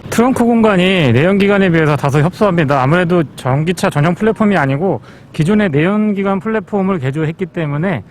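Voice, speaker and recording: A man's voice: sits high, lively intonation, fast, few pauses, slight background noise. A man presenting a test-drive review as a car reviewer, explaining things politely.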